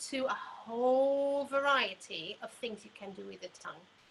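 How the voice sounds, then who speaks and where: The voice is raised and projected, with big swings in loudness. Intonation is lively and the pace is moderate. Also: woman. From Portugal. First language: Portuguese. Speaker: recorder player. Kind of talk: lecture.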